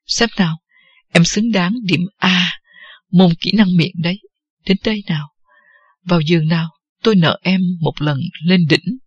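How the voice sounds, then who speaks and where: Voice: normal speed, husky, no echo, highs cut off, lightly acted. A narrator reading a commanding man. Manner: firm, low-key commands. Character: confident, commanding adult man lover. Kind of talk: audiobook dialogue reading.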